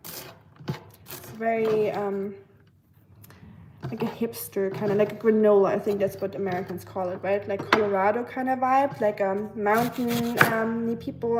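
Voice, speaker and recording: A woman's voice: fairly high pitch, very noisy. A young woman with a German accent from the Black Forest, hosting a live stream and chatting casually with viewers while she cooks, with many ums and likes. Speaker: livestream host. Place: home kitchen in the US.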